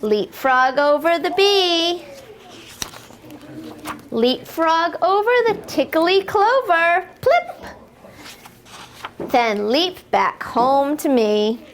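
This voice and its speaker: A woman reading picture books aloud to young children in an animated, encouraging way, asking them questions and playfully exclaiming the action words. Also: very high-pitched, drawn-out words, long pauses, slight background noise. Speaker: storytime reader for young children.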